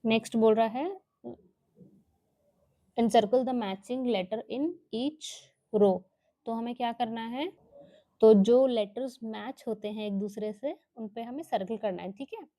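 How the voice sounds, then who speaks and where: A woman's voice: a little high, mellow, no echo. A woman teaching children a workbook lesson, explaining each step patiently and often checking with okay, with an Indian English accent.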